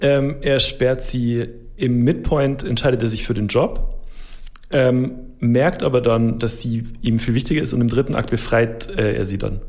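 A man's voice: medium pitch, moderate pace, darkish tone. A man chatting casually and humorously as a podcast co-host, informal and enthusiastic.

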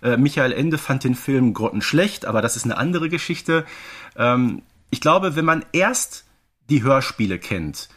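A man's voice: mid-range voice, expressive, a little slow, fairly bright tone. Explanatory middle-aged man, casual podcast talk. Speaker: podcast co-host. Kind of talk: casual discussion of audio dramas.

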